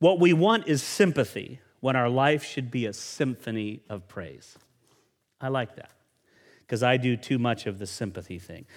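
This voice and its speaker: On a very clean recording with a silent background, a man speaks at a moderate pace and medium pitch, with lively intonation, an animated tone and big swings in loudness. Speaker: pastor. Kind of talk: sermon. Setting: church.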